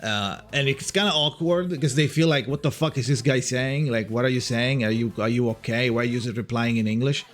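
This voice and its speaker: A man's voice: medium pitch, fairly quick, few pauses, faint music behind. A young man from Italy with an Italian accent, chatting casually with viewers on a livestream and often restarting his sentences. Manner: rambling, frequent restarts and swearing. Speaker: streamer.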